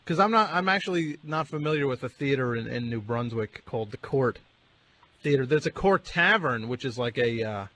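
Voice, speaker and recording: A man's voice: mid-range voice, expressive, moderate pace, pushed and bright. Dry, needling male radio host. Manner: dry, needling, patiently correcting. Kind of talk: deadpan on-air interview.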